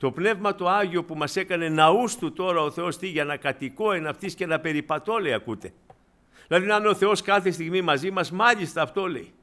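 Male preacher, slightly higher pitch, conversational sermon delivery, speaks to the congregation as brothers, hushed emphasis. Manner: voice drops low and quiet at moments of emphasis.

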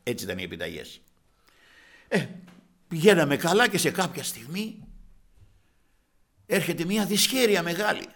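A man's voice: a little high, big pitch swings, gravelly, long pauses, fairly bright tone. An older man preaching a sermon, vividly telling his own story and calling the congregation brothers. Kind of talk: sermon with personal testimony.

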